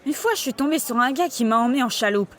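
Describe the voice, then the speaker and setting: Brash, swooping high-voiced pirate woman, acted out. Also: lively intonation, quick pace, background noise, close to an everyday voice. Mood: cocky. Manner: cocky, blunt. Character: brash, tough female pirate sailor. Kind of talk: French audio drama acting.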